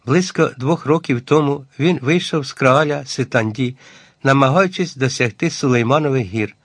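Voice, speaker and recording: A man's voice: medium pitch, normal speed, fairly bright tone, no echo. Man reading an audiobook, dry close sound. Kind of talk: scripted audiobook narration.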